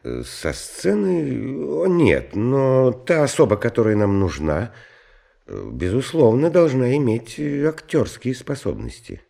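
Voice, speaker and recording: An actor playing a suave, secretive count in an audio drama, courtly, with hesitant, drawn-out phrasing. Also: male voice, medium pitch, wildly swooping pitch, vocal fry, dark tone, exaggerated voice. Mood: courtly, evasive. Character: tall, suave, secretive count interviewing job applicants. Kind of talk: theatrical audio drama acting.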